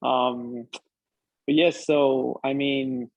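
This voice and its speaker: A young man with a Mexican Spanish accent chats as an upbeat interview guest and keeps tagging his sentences with "right?". His intonation stays even and flat, with little rise and fall. The recording is dry and close. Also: medium pitch, extremely slow, vocal fry, dry recording, highs cut off. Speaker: interview guest, PhD student. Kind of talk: casual interview chat.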